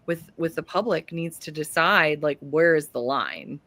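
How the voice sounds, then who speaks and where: A woman's voice: deep voice, a little slow, fairly bright tone, no room sound. A woman hosting a book club, casually posing questions and talking them through with the group. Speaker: book club host leading discussion. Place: remote group live stream.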